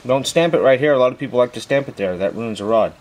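A man's voice: mid-range voice, animated, fast. A man giving plainspoken, informal hands-on instructions as a mechanic in a garage workshop. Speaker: mechanic demonstrating an engine teardown. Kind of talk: hands-on how-to narration. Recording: clearly noisy garage recording with clicking.

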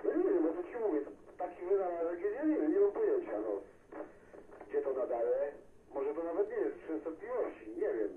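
A man's voice: a little high, sing-song, brisk. A man chatting casually and colloquially over CB radio, unsure of himself, with mild swearing, heard through a receiver speaker. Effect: CB radio transmission. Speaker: CB radio operator. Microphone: radio microphone heard through a receiver speaker. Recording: tinny band-limited radio signal, echoey, distant, noisy.

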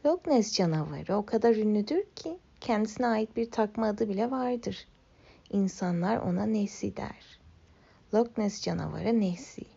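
Young woman, children's storyteller, mellow voice with vocal fry, slightly dull lo-fi recording. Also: medium pitch, lively intonation, normal speed. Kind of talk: children's story narration in first person.

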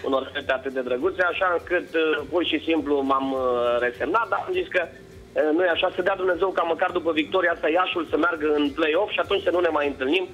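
A man's voice: fairly high pitch, fairly even intonation, a bit bright. A man, a senior sports journalist, calling in by phone to a morning show and teasing the hosts in a chatty way. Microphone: phone line. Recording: dull lo-fi phone line with music.

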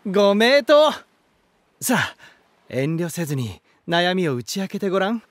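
An actor playing a flamboyant, self-assured romantic lighthouse spirit in an audio drama, theatrical and smug. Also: male voice, high-pitched, very animated, measured pace, no room sound. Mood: smug, playful. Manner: theatrical, smug, smooth-talking. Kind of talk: audio drama character acting.

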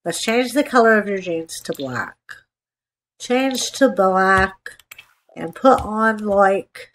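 Slow-paced woman gamer, slightly stuffed-up. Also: mid-range voice, a little hiss or hum, rough recording. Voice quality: stuffed-up, congested nasal sound. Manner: playful, chatty self-talk with repeated phrases. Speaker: gaming video host. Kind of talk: casual rambling gameplay commentary. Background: voice-over for a screen-recorded game.

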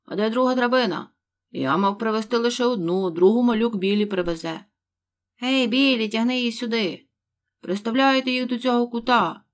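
Woman voicing rowdy shouting workmen. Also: on the high side, animated, lightly acted. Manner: loud, hurried calls.

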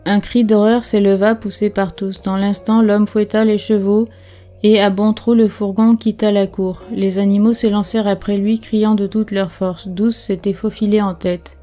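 A woman narrating an audiobook in a measured, even reading. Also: mid-range voice. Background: faint music.

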